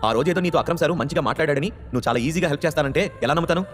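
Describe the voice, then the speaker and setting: A man's voice: a little high, rapid-fire, a bit bright, long reverb tail, soft background music, voice pushed up, natural voice. A man voicing a proud, angry young woman from a wealthy family who answers sharply and dismissively.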